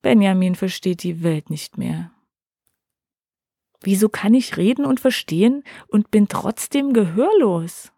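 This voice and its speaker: A woman narrating a story in a gentle, expressive reading voice, lightly voicing the characters. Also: medium pitch, no room sound, clean studio sound. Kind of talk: scripted storytelling for children.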